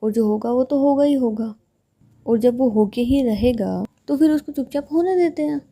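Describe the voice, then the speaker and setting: A woman's voice: high-pitched, moderate pace, dark tone. A woman voicing a playful young woman in love who teases her girlfriend in a told love story. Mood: calm. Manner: teasing, joking.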